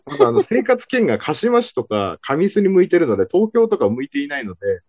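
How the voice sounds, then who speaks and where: A man with an Ibaraki accent, hosting a casual podcast chat with quick jokes and frequent laughter. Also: a little high, huge pitch swings, a little mellow, no echo, highs cut off. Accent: Ibaraki dialect. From Ibaraki, Japan. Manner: quick, joking, laughing often. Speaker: podcast host.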